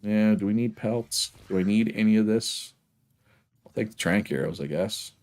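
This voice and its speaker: Chatting with viewers during a game livestream, a man from Prince Edward Island rambles in a low, darkish voice at a moderate pace. His casual talk is peppered with checks of "right?".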